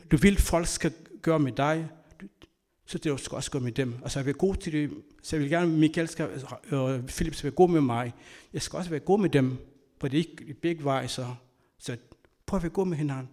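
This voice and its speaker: A man giving an earnest sermon, telling personal stories and moving between loud and soft delivery. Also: a little high. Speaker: church speaker; school worker.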